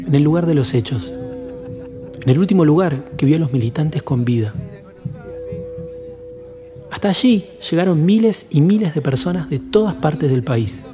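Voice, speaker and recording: A man narrating a personal story in a measured, reflective way. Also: fairly high pitch. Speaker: podcast narrator. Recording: narration over background music.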